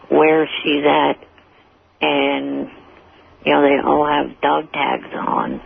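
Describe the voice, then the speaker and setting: A man with a fairly high, heavily creaky voice speaks slowly and haltingly. The delivery is flat, over a thin, hissy phone-like line. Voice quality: creaky, gravelly. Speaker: show guest, amateur writer. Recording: tinny phone-like line with hiss.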